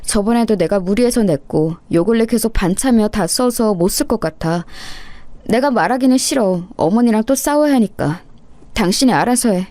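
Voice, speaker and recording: A sulky young husband brushes off the matter in short, dismissive lines, as a woman narrator puts him on. The voice drops a little lower than her own and sounds close and dry. It feels like a radio-style story reading. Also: expressive, normal speed, dark tone, no room sound, lightly acted. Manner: curt, dismissive.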